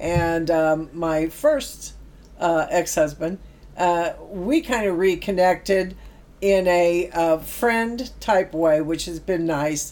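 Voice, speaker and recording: Here a woman talks at a very slow pace. Her pitch sits fairly low. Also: ordinary pitch variation. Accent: American. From Topeka, Kansas. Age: 70s. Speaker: retired youth worker and foster parent. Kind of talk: casual interview chat. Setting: studio.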